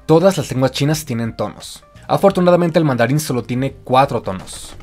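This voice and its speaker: Man explaining a language in a scripted voice-over, mid pitch, faint music behind. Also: lively intonation, brisk, a little mellow. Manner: clear explanatory, listing examples. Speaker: language teacher. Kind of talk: scripted narration.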